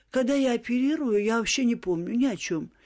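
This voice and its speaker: A woman speaks with a dark, mellow tone at a high pitch. The recording is very clean, with a silent background. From Georgia, Tbilisi. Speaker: obstetrician-gynecologist, academic. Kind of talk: radio interview. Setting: studio.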